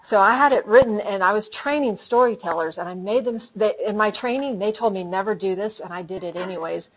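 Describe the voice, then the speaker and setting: A woman speaking to an audience in a conversational talk, answering questions, lively and full of restarts. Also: medium pitch, a little fast, slightly rough, poor audio. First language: English. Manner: animated, frequent restarts. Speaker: speaker training storytellers.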